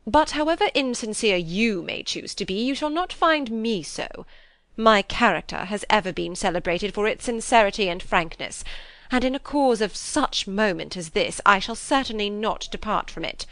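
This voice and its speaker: A woman's voice: mid-range voice, lively intonation, a bit bright, no echo. A woman playing a haughty, imperious lady. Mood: angry, imperious. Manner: stiff, slow and commanding.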